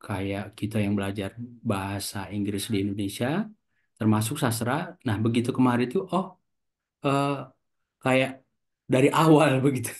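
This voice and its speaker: A man's voice: lowish voice, moderate pace. A man hosting a casual interview, asking short follow-up questions with many fillers. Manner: relaxed, asks short follow-ups, hesitant fillers. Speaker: host.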